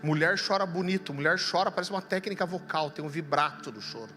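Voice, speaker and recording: A man in his thirties with a Brazilian Portuguese accent, a pastor preaching a sermon with humorous stories and quiet intense moments. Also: quick pace. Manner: humorous storytelling, shifts to low quiet intensity. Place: large church hall. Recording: long hall reverb, faint music.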